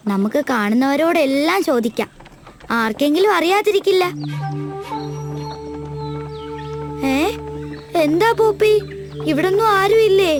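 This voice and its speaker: A small, friendly cartoon animal girl. The voice is extremely high and childlike, full of curiosity. Music runs behind it. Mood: reassuring, uneasy.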